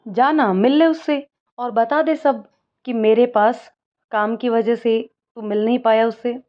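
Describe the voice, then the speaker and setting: A woman's voice: fairly high pitch, fairly even intonation, a little slow, lightly acted. A woman voicing a young man who teases and presses his friend, on a slightly dull recording. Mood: teasing.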